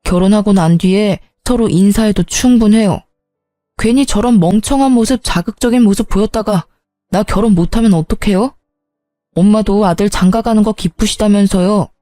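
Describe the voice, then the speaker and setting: An exasperated grown son arguing with his mother, as a woman reads his lines. The voice is mellow and dark in tone, pressing and insistent, recorded close and dry with faint music behind. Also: medium pitch, moderate pace, dry recording, lightly acted. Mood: angry. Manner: insistent, pleading, sharpening into anger. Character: grown son, earnest then exasperated and shouting. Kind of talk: storytelling with voiced characters.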